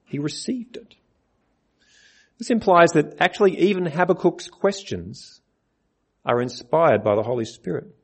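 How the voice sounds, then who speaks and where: A man preaching an earnest sermon, his voice a little husky and pitched a touch high. He reads scripture aloud and asks his listeners direct questions as he explains it. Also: a little mellow. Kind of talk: sermon on a Bible passage.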